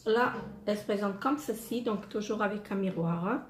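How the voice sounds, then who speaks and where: A woman's voice: medium pitch, moderate pace. A woman presenting makeup palettes in a casual unboxing vlog, hesitant and full of fillers and repeated words. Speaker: beauty vlogger. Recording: echoey room, faint noise. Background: wind noise.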